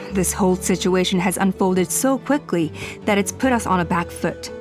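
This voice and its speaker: A woman's voice: lowish voice, moderate pace, close to an everyday voice. A woman playing a shrewd, cautious tribal official in a video game, composed and businesslike. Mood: wary. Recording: clear music behind the voice.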